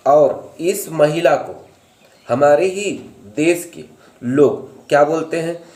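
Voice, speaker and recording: ज़ोर से बोलता, गूंजते कमरे में आदमी. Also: male voice, on the high side, slow, mellow. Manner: chatty, ranting, laughs often. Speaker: vlogger. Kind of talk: casual opinion vlog. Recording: echoey room.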